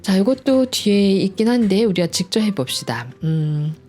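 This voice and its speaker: Soft music plays behind this woman as she teaches programming from home in a screen recording. Her medium-pitched voice is expressive and mellow, her pace moderate, and she stays playful and cheerful, chatty and patient, adding sounds like "짠짠짠" as she explains every step.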